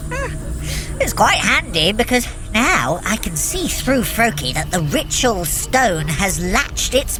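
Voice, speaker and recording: A woman's voice: fairly high pitch, low-quality recording. A woman playing a scheming trickster god in an audio drama, grandiose and self-satisfied, talking straight to the listener.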